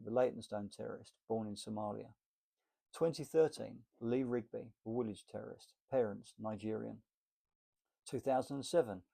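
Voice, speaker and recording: Gravelly, husky man reading emphatically. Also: mid-range voice, dark tone. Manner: emphatic, list-like delivery. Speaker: reader. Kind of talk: reading a political essay aloud.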